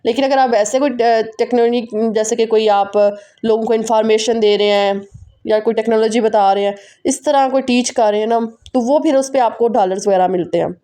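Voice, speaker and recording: A woman vlogger with a Pakistani Urdu accent, chatting quickly and directly to her viewers in a casual voice-over. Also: fairly high pitch, fairly even intonation, dark tone. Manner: fast, run-on, talking straight to viewers.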